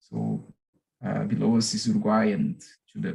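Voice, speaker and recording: At a moderate pace, a man speaks with a Portuguese accent. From Brazil, south of Minas Gerais. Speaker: acoustics professor. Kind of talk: lecture. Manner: halting, many fillers and repetitions.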